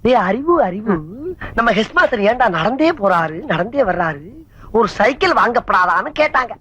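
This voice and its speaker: A man's voice: sits high, very animated, moderate pace, sharp tone, a little hiss or hum, exaggerated voice. A man playing a comic villager, talking in a deferential, polite way. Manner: deferential, ends lines with polite -nga. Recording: dull dry lo-fi film soundtrack.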